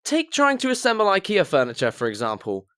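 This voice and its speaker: Over-articulating male narrator with lively intonation. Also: high-pitched, fairly quick, clean tone, studio quality. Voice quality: over-articulated, slightly pushed delivery. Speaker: voice actor on a demo reel. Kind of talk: scripted commercial and instructional narration. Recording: roomy, reverberant home recording, music bed. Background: music bed in places.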